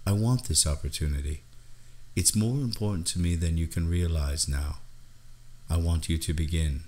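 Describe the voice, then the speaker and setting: A deep-voiced vampire gentleman, acted by a male audiobook reader, ageless and melancholy. He speaks softly and formally, with deliberate, courteous command. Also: natural voice. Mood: calm, confiding. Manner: soft-spoken, deliberate, formal. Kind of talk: audiobook character dialogue.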